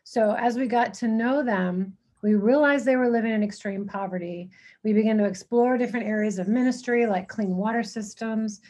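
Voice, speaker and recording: Casting: female missionary guest from Texas, husky, easygoing and conversational. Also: fairly high pitch, moderate pace, a little mellow. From San Antonio, Texas. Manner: easygoing, with frequent um and uh. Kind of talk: interview answers.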